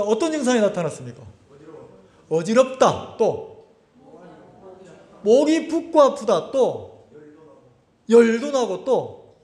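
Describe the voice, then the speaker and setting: A man's voice: extremely high pitch, a little mellow. A male pastor preaching a sermon at a church camp, constantly asking the congregation questions. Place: church summer camp service. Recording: echoey hall.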